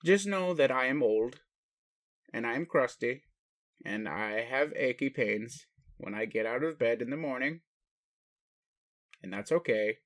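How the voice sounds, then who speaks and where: A man playing an ancient alien father in a roleplay audio, speaking formally with pauses to his adopted human, fond and bemused. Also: medium pitch, animated, a bit bright. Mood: dry, teasing. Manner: slow, formal phrasing with pauses, addresses listener as human. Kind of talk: roleplay audio addressed to the listener.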